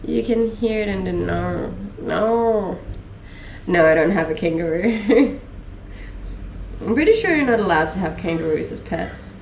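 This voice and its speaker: A young Danish woman chats loosely with her livestream audience, her accent drifting between Danish and Australian. She talks slowly with a gravelly edge, full of "um"s and easy laughs, sounding slightly sick. The room gives her voice a noticeable echo over faint background hum. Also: medium pitch. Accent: Danish-Australian mix. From Denmark. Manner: relaxed, laughing, many fillers. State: a little sick. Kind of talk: casual chat reading viewer questions.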